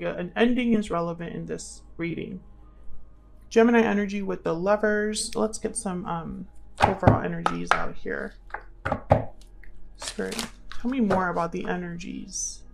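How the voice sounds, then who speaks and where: A woman's voice: mid-range voice, vocal fry. A woman hosting a casual tarot reading for viewers, musing aloud as she explains and calls on spirit guides. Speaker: tarot reader and channel host.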